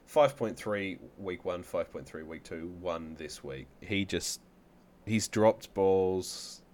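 A man with a very low voice co-hosts a casual sports podcast. He rattles off numbers and gives his takes in a relaxed, conversational way. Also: slow. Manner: upbeat, rattles off stats, apologizes for yawning. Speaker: podcast co-host. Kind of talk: casual fantasy football chat.

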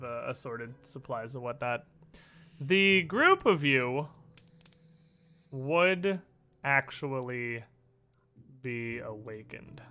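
A man narrating a tabletop role-playing game as game master, telling it deliberately and with suspenseful pauses. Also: mid-range voice, pushed and bright, clear, resonant tone.

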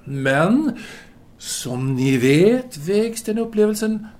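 A man's voice: high voice, very animated, darkish tone. An actor playing a self-absorbed French intellectual lover in an audio drama, speaking formally and hesitantly as he earnestly justifies himself. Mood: confiding. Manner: formal, halting, theatrical hesitations.

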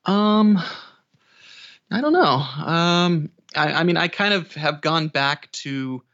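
A man's voice: a little high, expressive, slow pace, a bit bright, highs cut off. A man chatting casually as a podcast guest, talking about his work as a narrator in a hesitant way with restarted phrases. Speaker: audiobook narrator and voice actor.

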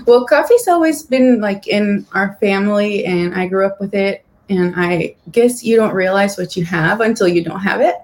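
A woman from Guatemala answering interview questions about her business in a relaxed way, with fillers and light laughs. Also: mid-range voice, moderate pace, few pauses. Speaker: business owner guest. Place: church building.

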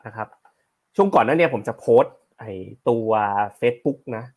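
Hosting a casual stock market live stream, this man chats with viewers, reading news headlines aloud and explaining them in a rambling way. His voice is medium-pitched and darkish with a breathy edge, delivered at a moderate pace, and he sounds slightly short of breath.

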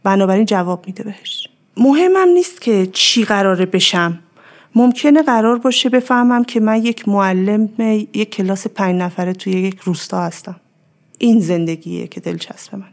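A woman speaking as a podcast guest, calmly explaining her ideas with everyday examples in a reflective, advising tone. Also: mid-range voice. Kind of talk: reflective advice in conversation.

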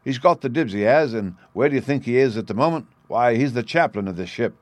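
A man voicing a tall, swaggering young male convict who boasts loudly and laughs at his own schemes. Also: mid-range voice, lively intonation, a little fast, no room sound, close to an everyday voice. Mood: scheming.

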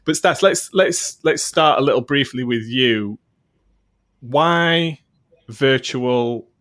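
A man's voice: medium pitch, a bit bright. A man with a broad Yorkshire accent touched by Mancunian, hosting a talk show in a chatty, informal way. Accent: broad Yorkshire with some Mancunian. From northern England. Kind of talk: conversational interviewing.

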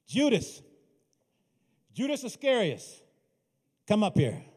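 Preacher voicing a commanding teacher calling followers. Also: male voice, high-pitched, huge pitch swings, slow, darkish tone, breathy edge, pitched above the performer's own voice, heavily acted. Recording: reverberant hall.

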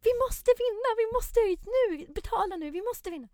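A woman imitating her excited young children, who plead shrilly and insistently in a very high voice. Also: no room sound, studio quality. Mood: frantic begging.

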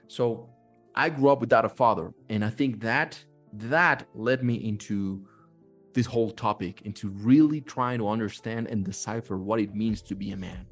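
A man hosting a casual motivational chat, talking bluntly and swearing freely. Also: on the low side. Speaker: host of a talk on manhood. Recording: music behind the voice. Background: music.

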